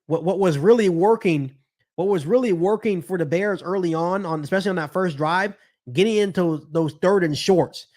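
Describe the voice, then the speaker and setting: High-pitched American man calling football live. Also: moderate pace, darkish tone. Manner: repeats phrases, conversational, talks back to chat. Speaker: sports podcast host doing live play-by-play. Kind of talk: live stream football commentary and fan reaction.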